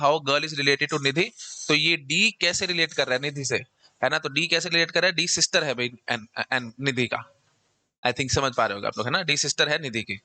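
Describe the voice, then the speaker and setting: Bright, dry-voiced Hindi-speaking male teacher. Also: medium pitch, no echo. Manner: explains step by step, repeats the question in English, mixes Hindi and English; casual, often says "theek hai ji" and "bhai". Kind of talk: exam-prep lecture.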